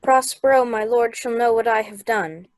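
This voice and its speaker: A woman plays a dutiful, watchful spirit servant in a Shakespeare radio play. The voice is fairly high and sounds dry and close. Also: moderate pace, no room sound, natural voice.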